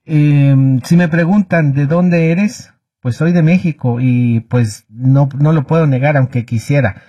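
Panelist, husky, measured and earnest. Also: male voice, a little high, warm tone. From Mexico. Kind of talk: sports talk show discussion.

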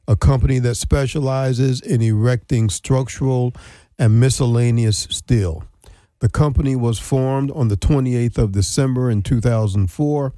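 A man's voice: medium pitch, mellow, no echo. Man hosting a talk show. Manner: reads announcements and bio from a script. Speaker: host.

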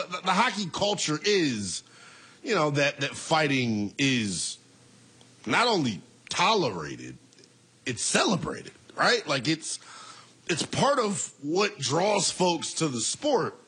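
A young man in his twenties hosts a call-in sports talk show, bantering and laughing with callers. His voice is lively and bright, with a slightly husky edge. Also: on the high side, slow pace. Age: 20s.

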